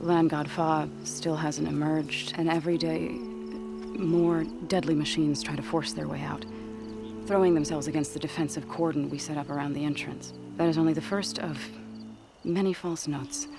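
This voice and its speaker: An actress playing a solemn, earnest tribal woman in a video game, speaking in a formal, measured way. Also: low voice, fairly even intonation, vocal fry, music in the background. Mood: solemn, concerned. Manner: formal, measured, deliberate phrasing. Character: solemn, earnest tribal woman who petitions her elders. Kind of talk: video game cutscene acting.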